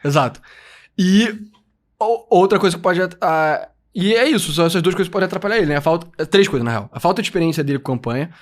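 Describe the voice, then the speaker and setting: Guy on a politics podcast, kinda high voice, chatty and jokey. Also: expressive, fast talker. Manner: explains news from charts, loose and joking. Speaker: podcast co-host. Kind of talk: casual political chat.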